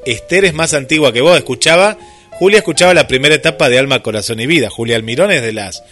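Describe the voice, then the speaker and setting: A man's voice: medium pitch, expressive, fast talker, fairly bright tone, soft background music. A man with an Argentine Rioplatense accent hosting casual radio chat, thinking aloud with plenty of fillers. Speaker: radio host.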